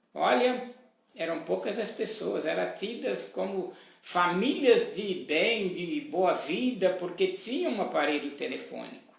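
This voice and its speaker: A man speaks at a very slow pace amid audible room echo. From Brazil, Minas Gerais. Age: 70s. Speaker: spiritist lecturer. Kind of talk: talk. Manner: halting.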